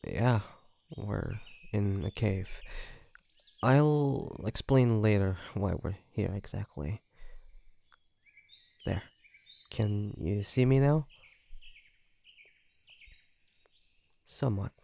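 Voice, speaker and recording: A man playing a gentle, remorseful vampire in an intimate audio roleplay, speaking hesitantly and earnestly with many pauses. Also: on the low side, gravelly. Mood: concerned, gentle. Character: remorseful, gentle male vampire tending his wounded victim.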